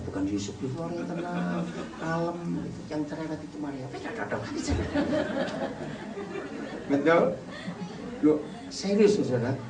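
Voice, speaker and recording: A man preaches to a gathered crowd, his pitch swinging up and down as he fires question after question at the listeners. He is heard from off-mic in an echoey hall, with a faint hiss underneath. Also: far from the mic. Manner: animated, pushes the audience with repeated questions. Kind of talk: lively sermon at a family gathering. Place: indoor hall with an audience.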